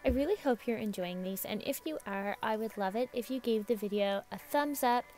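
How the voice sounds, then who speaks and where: A woman's voice: on the high side, brisk, a little mellow. Upbeat woman narrating a nail vlog. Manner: upbeat and chatty, with ums. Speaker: nail technician. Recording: voice-over with faint music behind.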